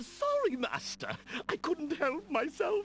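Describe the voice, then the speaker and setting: Over clear background noise, a put-on character voice speaks high-pitched at a fairly slow pace. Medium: game stream. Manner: eager, gushing.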